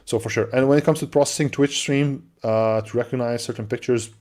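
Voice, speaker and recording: A man with an accent co-hosting a livestream, answering viewer questions in a relaxed, chatty way with lots of fillers and restarts. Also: mid-range voice, brisk. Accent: non-native English. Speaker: livestream co-host. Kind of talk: casual livestream chat.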